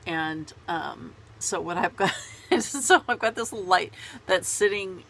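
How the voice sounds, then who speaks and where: A knitting vlogger with a cold, congested and sore-throated, rambles chattily to the camera from a small closet at home, laughing at herself. Her voice is lowish and a bit bright, and she speaks at a slow pace.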